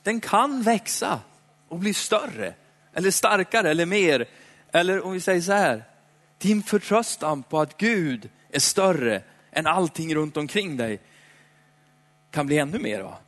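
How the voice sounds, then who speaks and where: Male preacher, conversational sermon, playful asides, dramatic slow emphasis, long hall reverb. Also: fairly high pitch, lively intonation, a bit bright. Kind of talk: lively sermon.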